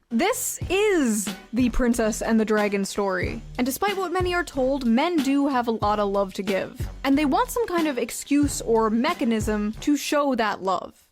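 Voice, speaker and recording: A woman's voice: a little high, expressive, measured pace, few pauses, faint music behind. A woman giving opinionated video commentary in a sardonic, foul-mouthed way. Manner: sardonic, profane.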